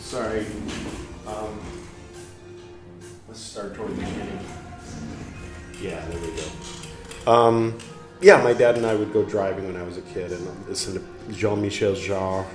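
Guy reading slow and low, chatty asides, roomy room with soft music behind. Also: steady tone. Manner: unhurried, musing, talks back to the text. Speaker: podcast host reading aloud. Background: soft instrumental music.

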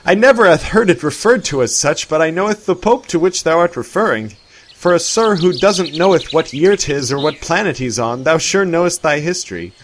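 A man's voice: a little high, expressive, moderate pace, a little hiss or hum, pitched above the performer's own voice, natural voice. A man doing a jovial archaic-speaking man. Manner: mock-archaic speech, laughing.

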